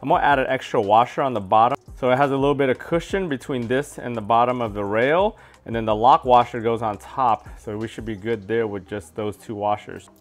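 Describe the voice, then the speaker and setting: A man in his thirties talks through assembling and testing a tool in his home garage. His delivery is easygoing and practical, sitting at an ordinary middle pitch. He sounds like a hobbyist sharing tips while he works. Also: fairly quick, few pauses. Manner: relaxed, practical, explains step by step. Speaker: DIY garage tool reviewer. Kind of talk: casual how-to narration.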